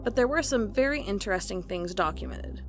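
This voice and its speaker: A woman acting as a wry young female office worker in an audio drama. Her delivery is dry and conversational at a middle pitch, with music clearly playing beneath it. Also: lively intonation, a little fast, lightly acted. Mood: earnest, storytelling. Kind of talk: audio drama acting, casual chat and reading aloud.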